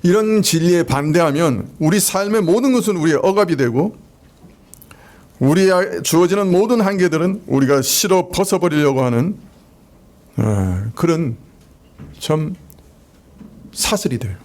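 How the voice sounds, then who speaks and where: Korean pastor guy giving a sunday sermon, chatty and easygoing, lets his sentence ends drop off soft. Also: a little high, animated. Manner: conversational preaching with soft laughs and drawn-out endings. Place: church sanctuary.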